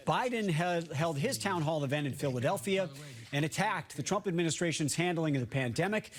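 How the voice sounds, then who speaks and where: A man's voice: on the high side, expressive, brisk. A man with an American accent reading the news as a broadcast anchor.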